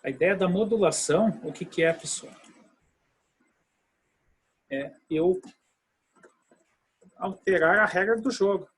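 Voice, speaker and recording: A man's voice: high-pitched, lively intonation, takes it slowly, creaky, pauses often, fairly bright tone, breathy edge, rough recording. A man teaching a law lesson online, explaining step by step and often checking in with his students. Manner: explanatory, with many tag questions to students. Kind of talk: online video lecture.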